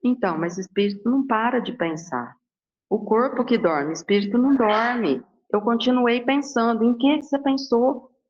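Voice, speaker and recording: A woman's voice: on the high side, moderate pace, darkish tone, slight background noise. A woman from Brazil leading a Sunday spiritist gospel study, talking conversationally and asking herself rhetorical questions. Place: Spiritist center hall. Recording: dull lo-fi sound.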